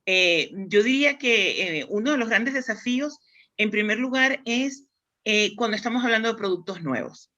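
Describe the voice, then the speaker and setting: Spanish woman, interview guest, bright clear voice, thoughtful explaining. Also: fairly high pitch, expressive, normal speed. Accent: Spanish from Spain. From Spain. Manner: thoughtful, explanatory, frequent restarts. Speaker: guest, demand planning expert. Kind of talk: conversational interview.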